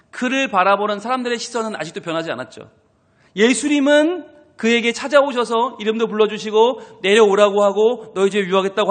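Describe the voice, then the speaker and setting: A man preaching an early-morning sermon as pastor, speaking straight to his congregation with expressive delivery. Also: high-pitched. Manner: expressive, addresses congregation directly, acts out scripture quotes. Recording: church hall reverb.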